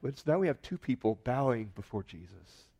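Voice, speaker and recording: Man preaching an expressive sermon. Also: mid-range voice, a little fast, breathy edge. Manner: expressive storytelling, voices quotes dramatically, emphatic swells. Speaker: pastor.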